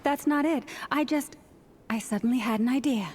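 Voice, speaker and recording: Woman playing a gentle, high-voiced young priestess. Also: moderate pace, slight background noise, lightly acted. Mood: sudden inspiration. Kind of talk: anime game voice acting.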